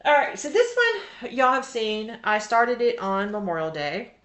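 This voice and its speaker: A woman's voice: fairly high pitch, sing-song, measured pace, a bit bright. A woman in a casual, rambling show-and-tell vlog about her cross-stitch projects, laughing often as she talks.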